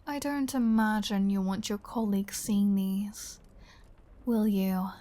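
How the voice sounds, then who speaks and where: A woman's voice: medium pitch, fairly even intonation, slow, warm tone, natural voice. A woman playing a flirty, menacing vampire in an intimate ASMR audio roleplay, teasing and sardonic, sometimes slipping toward a whisper. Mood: playful, sardonic. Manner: teasing, sardonic, drawling, drops into breathy whispers. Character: flirty, playful, menacing female vampire taunting a hunter.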